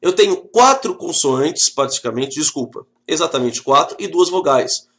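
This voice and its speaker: Um professor com sotaque brasileiro dando uma videoaula animada, falando direto com a turma em tom de brincadeira. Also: male voice, on the high side, moderate pace. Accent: Brazilian Portuguese. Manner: lively, joking, talks straight to the class. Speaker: teacher. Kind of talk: video lesson.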